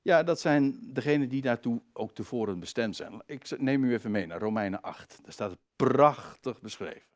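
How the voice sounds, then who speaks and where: Emphatic preacher, lively rising voice. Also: male voice. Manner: emphatic, swinging from loud high stresses to quiet low asides; halting, with many fillers and restarts. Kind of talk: sermon.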